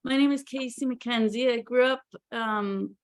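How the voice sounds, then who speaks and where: A woman from Illinois introducing herself on a video call, speaking slowly with thoughtful pauses. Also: fairly high pitch. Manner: slow and thoughtful, pausing.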